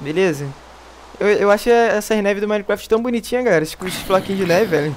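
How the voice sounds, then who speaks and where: The talking moves at a fairly quick pace while noticeable background noise carries on underneath. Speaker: gaming youtuber. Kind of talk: gameplay commentary.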